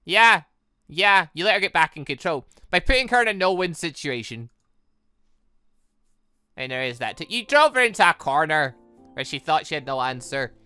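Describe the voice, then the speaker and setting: A man's voice: a little high, moderate pace, long pauses, clean tone, dry recording, clean studio sound, faint music behind. A man giving casual let's play commentary as a gaming host, rambling and often interrupting himself as he reacts. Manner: rambling, animated, self-interrupting.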